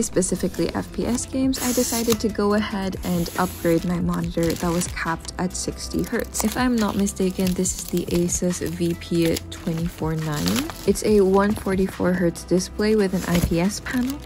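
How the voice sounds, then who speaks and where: Woman, casual unboxing vlogger, excitable chatter, middle pitch. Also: normal speed, few pauses, music in the background.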